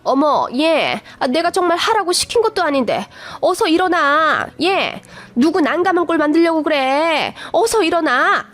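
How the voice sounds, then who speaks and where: Woman doing a bossy middle-aged mother-in-law, scolds and threatens nonstop, high voice, radio story. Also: expressive, normal speed, soft background music. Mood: flustered.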